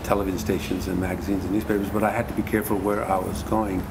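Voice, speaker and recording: A man from Pakistan answering interview questions earnestly, halting often with fillers and repeated words. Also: low-pitched, level tone, vocal fry, background noise. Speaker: guest musician.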